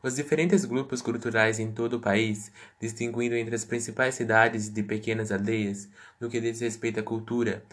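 A man's voice: lowish voice, fairly even intonation, moderate pace, few pauses. A man answering interview questions as a guest, reading prepared answers with stumbling restarts.

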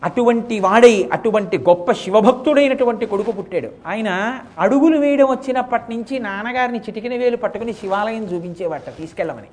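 A man giving a devotional sermon, retelling a legend and slowly chanting verses. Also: high-pitched, a little mellow. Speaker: religious discourse speaker.

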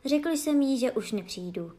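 A woman's voice: sits high, animated, warm tone. A woman voicing a shy, honest peasant boy in a storybook reading, speaking earnest and bashful. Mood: sad.

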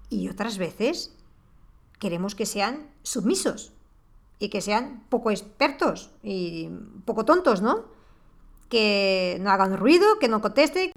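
A woman hosting a parenting podcast. Her voice sits a touch higher than most women's. She addresses the listener directly, and her tone is earnest and quick to become impassioned. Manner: speaks straight to the listener. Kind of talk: podcast monologue.

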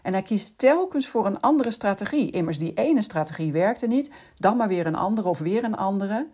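A woman hosting a podcast, calmly explaining in scripted narration and speaking directly to the listener. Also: medium pitch, moderate pace, breathy edge. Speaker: podcast host.

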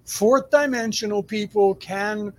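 A man's voice: high-pitched, slow. A man giving an off-the-cuff spiritual talk to a live chat, explaining emphatically in stop-and-start phrases. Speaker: spiritual teacher answering audience questions on a livestream.

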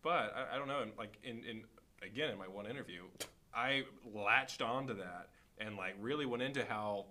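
A man's voice: on the low side, normal speed, pushed and bright. A man in his twenties in casual podcast conversation, speaking in a wry, teasing and emphatic way. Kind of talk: casual chat.

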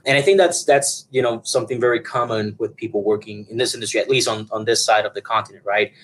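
A man's voice: fairly low pitch, fast, a bit bright, rough recording. A man from Puerto Rico in his thirties, a broadcast engineer talking as an interview guest, rambling with many fillers and restarts. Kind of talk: conversational interview.

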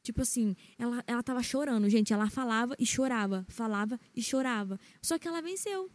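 A Brazilian woman co-hosts a casual Christian podcast and turns straight to the audience to drive her points home. Her voice sits a little high. She speaks with steady emphasis. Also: fairly quick. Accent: Brazilian Portuguese. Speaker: podcast co-host.

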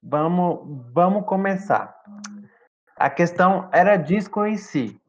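A man's voice: high voice, expressive, slow. A man with a Brazilian Portuguese accent in casual chat, campy and playful, laughing often. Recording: dull lo-fi mic.

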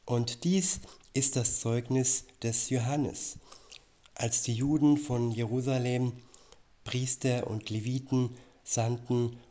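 A man reading Bible verses aloud and explaining them in a slow, deliberate preaching style. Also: medium pitch, steady tone, mellow. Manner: slow, measured, deliberate delivery.

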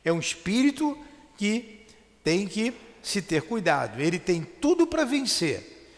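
Animated high-voiced man teaching. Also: measured pace. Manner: emphatic, asks and answers his own questions. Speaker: spiritist teacher. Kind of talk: didactic explanation with rhetorical questions. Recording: reverberant room.

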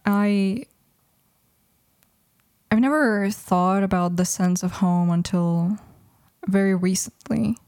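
A woman's voice: mid-range voice, slow, long pauses, darkish tone, clean tone, dry recording, studio quality. A woman of twenty, raised in Mexico with Russian as her first language, talking thoughtfully in a casual interview with many restarts. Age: 20s. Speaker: guest.

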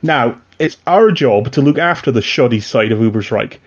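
A man voicing a male town-watch veteran with a West Country accent, talking in a low, conspiratorial, folksy way, on a dull lo-fi recording. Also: lively intonation, moderate pace, breathy edge. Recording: dull lo-fi sound.

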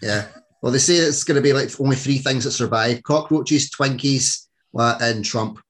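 A man's voice: mid-range voice, moderate pace, a bit bright. A man hosting a casual interview podcast, joking and rambling as he talks with his guest over a call. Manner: jokey, rambling, laughs often. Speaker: podcast host.

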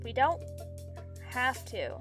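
A woman's voice: on the high side, big pitch swings, takes it slowly, fairly bright tone, faint music behind, heavily acted. A woman playing a trusting, loyal young student in an audio drama, speaking in an earnest, reassuring way.

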